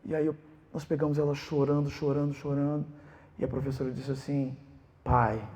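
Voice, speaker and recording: A man, a pastor preaching a sermon, telling a personal story in an animated way. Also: on the high side, a little fast.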